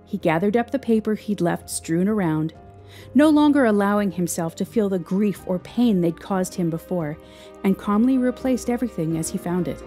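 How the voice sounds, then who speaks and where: A woman narrating a scripted audio drama in a measured, expressive, somber manner. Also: medium pitch. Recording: music under the voice. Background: instrumental music.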